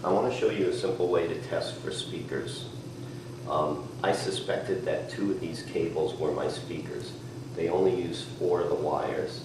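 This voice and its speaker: Indoors in a house, a middle-aged man gives an informal, hands-on DIY home improvement tutorial, a little hesitant as he thinks aloud. His voice is low and steady at a moderate pace, and the room is echoey with background noise.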